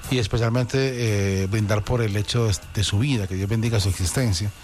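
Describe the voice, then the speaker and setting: A man's voice: lowish voice, a little fast, faint music behind. A man hosting a live radio show, chatting effusively and joking with his co-hosts. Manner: warm, effusive well-wishing, joking. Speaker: radio host.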